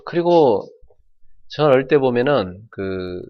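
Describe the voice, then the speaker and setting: A middle-aged man from North Jeolla preaching a sermon as pastor, telling folksy stories and shouting out imitations. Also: medium pitch, expressive, unhurried, muffled recording. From North Jeolla, South Korea.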